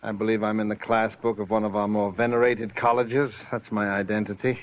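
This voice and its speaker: Brief: actor as a cultured villain, languid and sneering, dull hissy radio tone. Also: male voice, lowish voice, level tone, brisk, close to an everyday voice. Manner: urbane, languid and mocking. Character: smooth, cultured, sinister male gunman. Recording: dull old radio recording with faint hiss.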